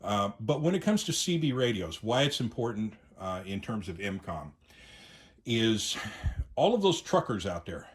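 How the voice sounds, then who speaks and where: Low-voiced middle-aged American man, conversational. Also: sing-song, normal speed. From United States. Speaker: YouTube host, amateur radio enthusiast. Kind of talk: unscripted opinion monologue to viewers.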